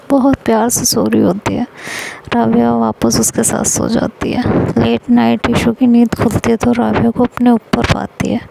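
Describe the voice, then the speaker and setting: A woman's voice: fairly high pitch, vocal fry, warm tone, slight background noise, poor audio. A young woman telling a story, voicing the characters' dialogue in her own voice. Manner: reads the characters' quoted lines in her own voice.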